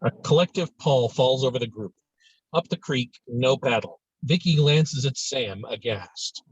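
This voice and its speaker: A man narrating stage directions in a lively way at a screenplay table read. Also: medium pitch, measured pace, breathy edge, dry recording. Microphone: video call. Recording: dull lo-fi video call audio.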